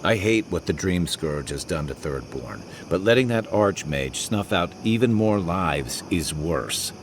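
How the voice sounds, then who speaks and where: Game companion: grim, weary fighter, very low voice, measured, faint noise behind. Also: male voice, expressive. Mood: grim resolve. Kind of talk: video game character acting.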